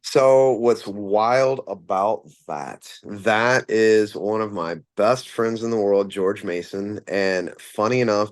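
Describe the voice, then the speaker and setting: Singer guy chatting in an interview, rambly with tons of ums, smooth clear voice. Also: fairly low pitch, no room sound. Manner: rambling, many fillers and restarts. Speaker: band frontman, singer. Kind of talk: casual interview answers.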